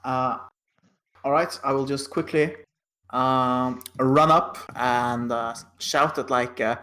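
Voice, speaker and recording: A man's voice: mid-range voice, steady tone, slow, sharp tone. A man playing a tabletop game, talking casually and hesitantly with many fillers. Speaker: player.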